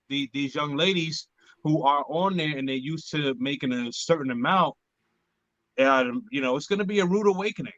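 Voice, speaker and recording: A man hosting a casual money talk show, speaking haltingly with many fillers and restarts. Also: fairly high pitch, a bit bright, no echo. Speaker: podcast host. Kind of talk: casual panel chat. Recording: dull, dry lo-fi audio.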